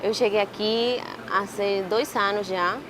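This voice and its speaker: A Venezuelan woman in her twenties with a Venezuelan Spanish accent, speaking Portuguese as a second language and telling her own story with pauses as she searches for words. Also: medium pitch, fairly even intonation, noisy background. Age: 20s. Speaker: interviewee. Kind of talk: casual personal account.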